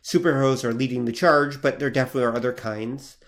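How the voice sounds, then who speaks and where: A man's voice: mid-range voice, steady tone, quick pace. A man co-hosting a podcast in casual chat, easygoing as he steers the talk along. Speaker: podcast co-host.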